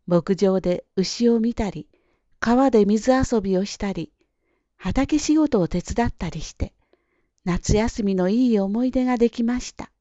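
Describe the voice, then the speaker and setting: A woman narrating a children's storybook in a gentle, even way. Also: mid-range voice, unhurried, no room sound, dull audio. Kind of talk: storybook reading.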